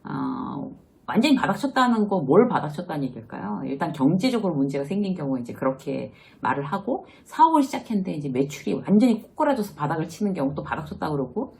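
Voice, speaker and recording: A middle-aged woman gives a talking-head lesson on self-esteem, her pitch rising and falling across a wide range. She slips into short acted quotes of worried inner voices and keeps an easy, chatty delivery. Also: big pitch swings, fast, vocal fry, a little mellow. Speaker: workplace lecturer and author.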